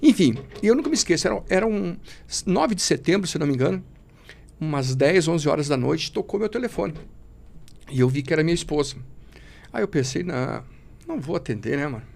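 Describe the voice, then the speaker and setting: A man's voice: on the high side, very animated, fairly quick, creaky, a little mellow, a little hiss or hum. A man giving an emotional personal testimony as a podcast guest, speaking fervently and in a preachy way, often calling the listener brother.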